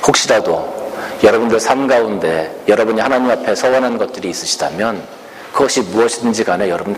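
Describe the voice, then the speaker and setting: A man preaching a sermon slowly and earnestly, asking the congregation rhetorical questions. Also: on the low side. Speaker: pastor. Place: church sanctuary. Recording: reverberant church hall with faint room noise.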